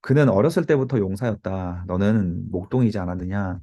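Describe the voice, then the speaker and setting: A man's voice: deep voice, fairly quick, warm tone, lo-fi sound. A man reading as a doubtful king. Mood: dismissive. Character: doubtful male king, dismissive.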